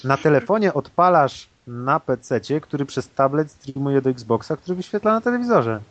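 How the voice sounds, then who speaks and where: A man's voice: mid-range voice, lively intonation, moderate pace, slight background noise. Casual joking man in gaming chat. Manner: casual, joking, laughs often. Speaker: gaming commentator. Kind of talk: casual chat watching game trailers.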